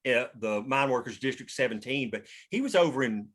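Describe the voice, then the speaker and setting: A man's voice: medium pitch, animated, brisk, a bit bright. A man talking casually and emphatically as a screenwriter, explaining his thinking in a rambling way. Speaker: screenwriter leading a script table read. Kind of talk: casual discussion.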